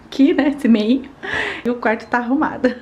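Chatty Brazilian woman, bright higher voice. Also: fairly quick, highs cut off. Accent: Brazilian Portuguese. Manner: chatty and upbeat, often addressing viewers directly. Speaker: vlogger. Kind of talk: casual home vlog, showing chores. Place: small apartment bedroom and bathroom indoors. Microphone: handheld wide-angle camera mic.

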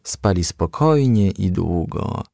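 A man's voice: low voice, lively intonation, takes it slowly, gravelly, mellow, dry recording, studio quality. A man reading a children's storybook aloud as a scripted narration. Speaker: audiobook reader.

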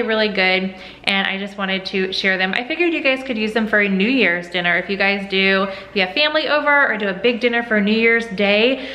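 Bright, chatty woman cooking vlogger. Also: on the high side. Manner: chatty, upbeat, addresses viewers as y'all and guys. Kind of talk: casual cooking vlog. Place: home kitchen. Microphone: camera at close range.

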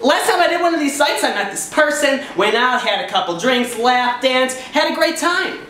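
A man's voice: very high-pitched, lively intonation, moderate pace, pushed and bright, heavily acted. A young man playing a gossipy, giggly online dater in a comedy character sketch. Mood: amused. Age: young adult. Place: indoors, room at home. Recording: roomy, faint background noise.

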